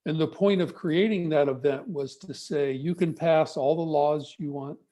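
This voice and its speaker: Mellow-voiced man telling a story. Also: a little high. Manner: measured, storytelling delivery. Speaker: guest speaker. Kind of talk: reflective talk on an online event. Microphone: video call.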